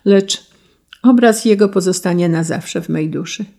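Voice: mid-range voice, a little slow, gravelly, dark tone. A reader voicing a noble countess and mother confessing before the judges, in a solemn, emotional audiobook reading. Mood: solemn tearful. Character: grieving noble countess, mother, testifying in court.

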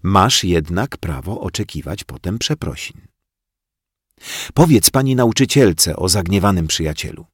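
Brief: low-voiced man narrating a children's story, lively intonation, dry studio sound. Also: slightly rough, no room sound. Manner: slow, expressive, plays many voices. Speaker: audiobook reader.

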